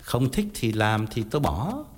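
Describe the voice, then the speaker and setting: A man's voice: mid-range voice, measured pace, long reverb tail. A man doing a cool, dismissive middle-aged man. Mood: curt. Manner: flat, curt and offhand.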